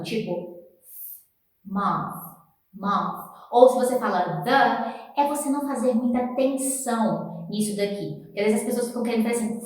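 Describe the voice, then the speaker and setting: A woman's voice: fairly high pitch, a little mellow, a little hiss or hum. Echoey Brazilian-Portuguese-speaking teacher woman. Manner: models English words slowly, repeating them; encouraging, talks straight to the viewer. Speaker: English teacher. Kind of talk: pronunciation lesson with drills. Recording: echoey room, voice from a distance.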